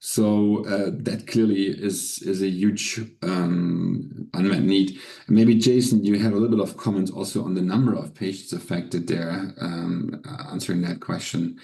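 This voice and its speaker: A man with a fairly low, very mellow voice speaks as an executive on an earnings call. His explanation is careful and comes out a little haltingly. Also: flat delivery, vocal fry. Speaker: company executive.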